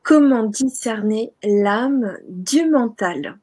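A woman hosts a live online interview, greeting her guest and the viewers in the chat. Her voice is slightly husky. She is heard over a video call. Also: a little high, lively intonation, extremely slow, a little mellow. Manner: welcoming, addresses the chat audience directly. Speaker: host.

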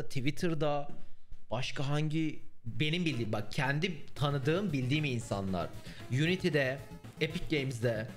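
A young man, chatting casually with his stream viewers in a blunt, swearing manner. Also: on the high side. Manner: blunt, swears and mocks freely. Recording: faint music underneath.

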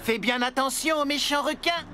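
A man's voice: very high-pitched, normal speed, over music. A man voicing a playful, eager talking crane truck in a children's cartoon, with bubbly, childlike delivery. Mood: teasing. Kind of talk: children's animated cartoon dub.

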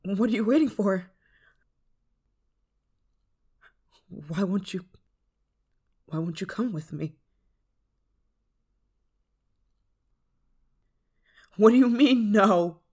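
A woman playing a clingy, desperate deviant android in love, in an intense, halting ASMR roleplay monologue. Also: fairly high pitch, a little mellow, breathy edge. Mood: desperate, forceful. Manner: hesitant, halting, emotionally intense delivery.

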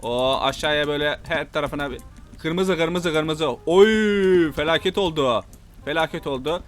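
A young man giving excited gameplay commentary, shouting exclamations, repeating his lines and laughing often as he plays. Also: fairly high pitch, moderate pace, faint music behind. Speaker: gameplay streamer.

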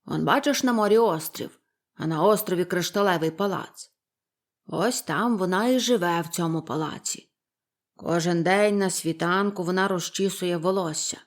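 A woman voicing two kindly fishermen in a storybook, speaking lower and slower than her own voice. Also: close to an everyday voice. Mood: confiding. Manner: low, slow, homely telling. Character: two grateful old fishermen, plain and kindly.

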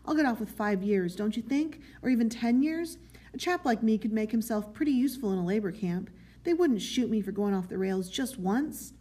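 A woman's voice: medium pitch, brisk, dark tone, lightly acted. A woman voicing an eager, servile man in a novel, miserable yet proud, with a pleading, chummy, self-justifying manner. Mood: anxious pleading.

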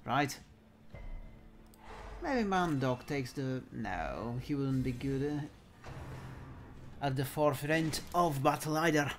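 Male let's play commentator: theatrical, mock-genteel put-on accent, leisurely pace, swooping mid-range pitch, playful delivery. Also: animated, slow pace, long pauses, a little hiss or hum. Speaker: gamer commentating own play.

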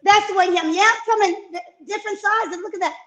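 A woman in her fifties on a video call from her home kitchen, giving healthy eating tips in an energetic, coaching way. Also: extremely high pitch, brisk, reverberant. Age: 50s. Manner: energetic, coaching, emphatic repetitions. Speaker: fitness and nutrition guest. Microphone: wireless earbuds on a video call.

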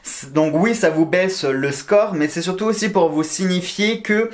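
A man's voice: high-pitched, moderate pace. A man giving a casual weekly horoscope reading, joking around and counting scores aloud. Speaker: astrology and tarot reader.

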